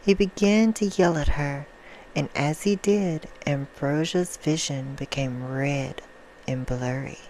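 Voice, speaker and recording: Slow, low-voiced vampire storyteller played by a woman. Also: low-quality recording. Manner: slow, hushed storytelling, drifting into whispers. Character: female vampire, soothing and menacing, reading bedtime stories. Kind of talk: ASMR roleplay. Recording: clear background noise.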